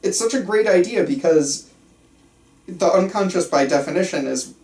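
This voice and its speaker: A man with a fairly high voice chats informally in a roomy space, some way from the mic. He explains things with enthusiasm, often pausing mid-thought and drifting into digressions. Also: animated, a little mellow. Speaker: participant at a film script table reading. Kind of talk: casual rambling discussion. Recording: roomy, picked up from a distance.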